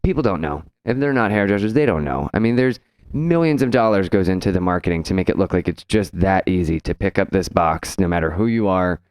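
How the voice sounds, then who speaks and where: A man in his thirties co-hosting a hairdressing podcast in a salon, chatting casually into a boom mic and acting out what clients say. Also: expressive, brisk, hardly any pauses, darkish tone, clear, resonant tone, dry recording. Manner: storytelling, acts out quoted clients. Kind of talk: casual chat. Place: salon studio. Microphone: studio mic on boom arm, headphones.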